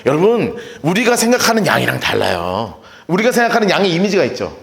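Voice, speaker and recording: A male pastor preaching a sermon in a lively, storytelling way, often laughing as he talks. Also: a little high, fast, gravelly, reverberant. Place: church sanctuary.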